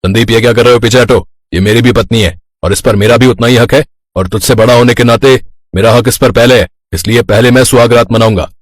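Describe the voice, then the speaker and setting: A man's voice: mid-range voice, fairly even intonation, a little fast, no room sound, natural voice. A man voicing a bossy, quarrelsome young elder brother in a cartoon story, pushy and commanding. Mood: angry, bossy.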